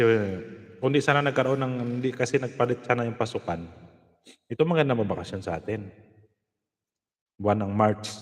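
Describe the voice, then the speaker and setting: A man hosting a casual live stream, reading out viewer comments and giving shout-outs, laughing often. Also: on the low side, big-room sound. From Philippines.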